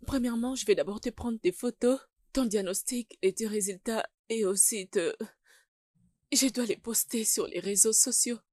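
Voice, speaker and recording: A woman's voice: on the high side, normal speed, a little mellow, no echo, clean studio sound, natural voice. A woman dubbing an urgent, pleading friend. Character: woman urging a sick friend to act. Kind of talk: French dub of a film.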